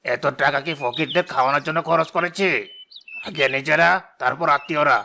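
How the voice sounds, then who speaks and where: Brief: a man as a scornful rich villager for a cartoon, bright gravelly tone, slightly high. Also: a little fast, a little hiss or hum. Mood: dismissive. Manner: mocking, contemptuous. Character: boastful wealthy village man, arrogant and scornful.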